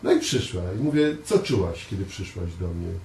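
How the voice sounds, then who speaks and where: A man preaching a conversational sermon to a small congregation, earnest, often repeating words and pausing on fillers. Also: low-pitched, expressive, a little mellow. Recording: echoey room, voice from far off, faint hiss.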